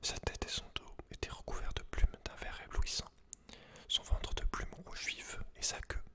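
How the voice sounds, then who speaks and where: A man reading aloud in a breathy, unvoiced ASMR whisper, slow and hushed, with casual asides. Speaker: ASMR creator.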